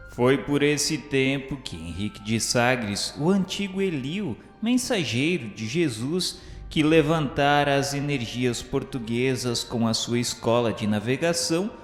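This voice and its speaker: A Brazilian man reading solemn scripted narration for a radio drama in a formal, declamatory way. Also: medium pitch. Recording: echoey reverberant hall sound, music underneath.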